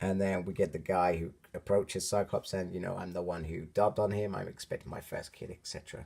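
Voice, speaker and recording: Very deep and low, a man's somewhat breathy voice carries a dark, mellow tone and ordinary pitch variation at a very fast pace. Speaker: comic book reviewer. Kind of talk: casual review monologue. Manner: hesitant, with fillers.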